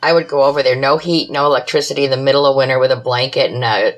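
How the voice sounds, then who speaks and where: Low-voiced woman telling a true ghost story. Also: steady tone, quick pace. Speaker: podcast guest, paranormal investigator. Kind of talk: conversational first-person storytelling.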